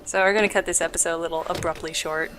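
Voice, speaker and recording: A woman's voice: lowish voice, steady tone, racing, noisy background. A woman doing casual let's play commentary, with dry, self-deprecating humour. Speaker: game player and commentator.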